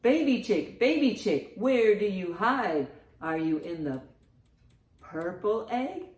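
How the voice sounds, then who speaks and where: A woman's voice: medium pitch, animated, slow pace, darkish tone. A woman hosting a children's storytime, reading and chanting rhymes in a sing-song, encouraging way for young children. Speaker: children's librarian, storytime host. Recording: roomy, echoing sound.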